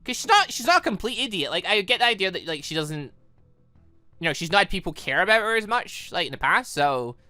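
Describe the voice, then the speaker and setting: A man's voice: high voice, big pitch swings, fairly quick, bright, forceful tone, no room sound. A man doing let's play commentary, rambling and thinking aloud as he goes. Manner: rambling, thinking aloud, stumbling over read lines. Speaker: gaming channel host.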